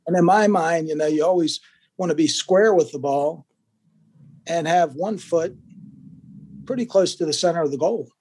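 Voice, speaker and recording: A man's voice: a little high, normal speed, pauses often, a little mellow, breathy edge. An older man, a former goalkeeper, telling stories in a casual interview, rambling with many restarts and fillers.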